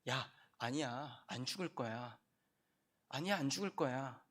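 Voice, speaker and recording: A man voicing a sly devil serpent in a whispered role-play, soft, hushed and sweet-talking. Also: mid-range voice, lively intonation, unhurried, voice pushed down. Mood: coaxing.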